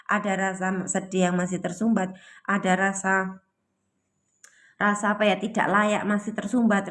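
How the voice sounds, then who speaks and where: A woman's voice: medium pitch, a bit bright. A woman hosting a casual live stream, giving a spiritual talk to her viewers in a chatty, repetitive way and reading their comments aloud. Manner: repetitive, chatty, often repeats phrases.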